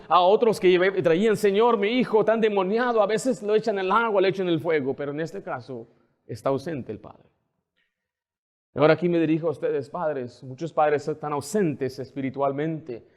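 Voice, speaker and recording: A man's voice: fairly high pitch, a little mellow. A male pastor preaching a sermon with fervent, emphatic repetition.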